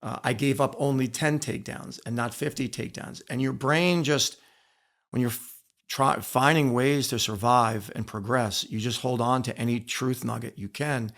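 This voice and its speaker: A man's voice: mid-range voice, fairly even intonation, normal speed, vocal fry, fairly bright tone. A middle-aged man speaking as a podcast guest, telling candid stories from his sporting life in an emphatic way, repeating phrases for weight. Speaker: interview guest, former wrestler and coach. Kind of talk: candid storytelling in a podcast interview.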